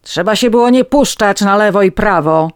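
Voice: medium pitch, normal speed, clean tone, dry recording, studio quality, pitched above the performer's own voice, natural voice. January, a reader voicing a harsh scornful master of the house. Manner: scornful, curt. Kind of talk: audiobook reading.

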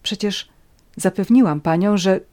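A woman's voice: mid-range voice, a little slow, mellow, lightly acted. A woman voicing a proud young woman who answers with bitter defiance. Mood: defiant.

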